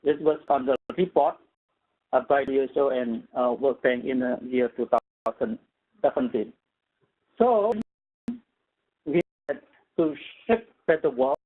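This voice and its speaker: A man with an Indonesian accent giving a formal academic lecture as a guest professor, speaking haltingly in non-native English. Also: on the high side. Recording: tinny phone-like audio.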